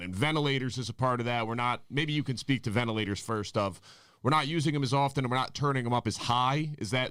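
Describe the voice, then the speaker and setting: Very fast and with ordinary pitch variation, a man with an American accent talks at a medium pitch. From Upstate New York. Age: 30s. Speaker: podcast host. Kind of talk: casual interview chat.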